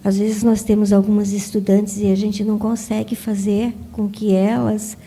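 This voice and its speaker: Mulher de voz monótona e muito escura. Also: female voice, medium pitch, little pitch movement, normal speed, warm tone, slightly rough. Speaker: congregation member commenting. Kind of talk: audience comment at a meeting.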